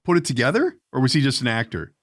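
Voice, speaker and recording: A man's voice: mid-range voice, very animated, fast, a bit bright. A man interviewing a guest as podcast host, in a loose, informal and colloquial way. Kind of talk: casual conversational interview.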